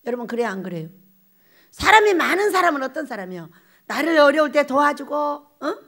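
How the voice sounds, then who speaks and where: An older woman pastor preaching a lively storytelling sermon, acting out little exchanges and laughing as she goes. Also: high-pitched, brisk. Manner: animated, acts out quoted exchanges, laughs often. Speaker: pastor, head of a prayer retreat.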